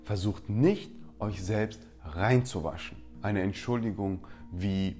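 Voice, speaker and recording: A man with a fairly low voice explains common mistakes in a straightforward instructional talk. He addresses the viewer directly and slips into short acted example lines. Soft music plays quietly underneath. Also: takes it slowly. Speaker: presenter of rhetoric tips.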